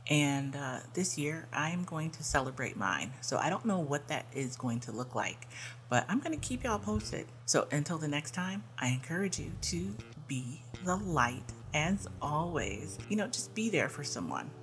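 A woman in her forties hosting a podcast as a coach, talking in a casual, earnest, gently encouraging way and often adding "you know" and "right?". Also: sits low, very animated, moderate pace, faint music behind. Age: 40s. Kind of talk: casual reflective monologue.

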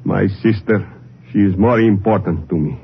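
A man's voice: low-pitched, moderate pace, vocal fry, slight background noise. An actor playing a defensive, evasive Mexican fight manager protective of his sister in a radio drama. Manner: excitable, evasive. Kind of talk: old-time radio drama acting. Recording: muffled 1950s radio recording.

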